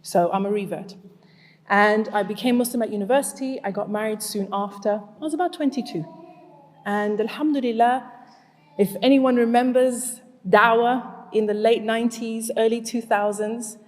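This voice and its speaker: A woman in her forties who grew up in Zimbabwe speaks to a live audience at a community event in a large hall, where a long reverb follows her voice. Her tone is a little high and darkish at normal speed as she poses questions to the audience before telling a personal story.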